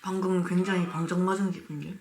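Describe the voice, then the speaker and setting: A woman's voice: lowish voice, little pitch movement, racing, darkish tone. Woman chatting while eating, roomy echo. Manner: talks while eating, mouth often full. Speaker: mukbang vlogger. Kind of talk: casual eating-show chat to viewers. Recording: roomy echo, faint noise with clicks.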